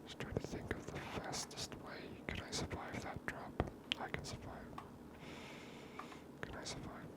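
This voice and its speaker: Whispering ASMR game host. Soft, hesitant, musing commentary, close mic. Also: normal speed. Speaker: gaming ASMR channel host.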